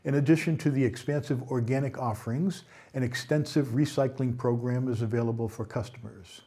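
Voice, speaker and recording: Here a man presents the local news, his mid-range voice moving a little fast. The reading stays steady overall, with the odd slip followed by a self-correction.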